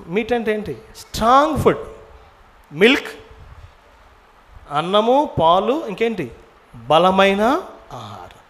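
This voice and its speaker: A man's voice: high voice, big pitch swings, slow pace, long pauses, a bit bright. A man preaching a Bible-teaching sermon. He keeps asking the audience questions and mixes English words into his speech.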